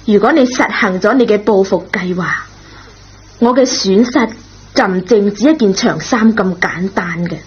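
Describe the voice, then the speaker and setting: A kind, patient schoolteacher acted by a woman speaks. She is measured and reassuring in radio drama style, on a dull recording with clear background noise. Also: mid-range voice, lightly acted. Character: kind, forgiving, patient female schoolteacher, a parent. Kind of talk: Cantonese radio drama acting.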